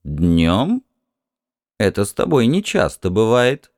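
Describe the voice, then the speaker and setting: A man's voice: lowish voice, huge pitch swings, slow, a little mellow, no echo, studio quality, heavily acted. A man voicing an irritable, dismissive Martian husband in an audiobook, curt and scornful. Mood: irritated, scornful.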